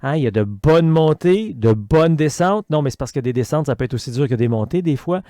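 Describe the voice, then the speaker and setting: Québécois male host, slightly high, dry mic, casual and hesitant. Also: lively intonation, brisk, dark tone, no room sound. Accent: Québécois French. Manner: chatty, hesitant with many fillers. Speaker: podcast host. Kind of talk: casual interview chat.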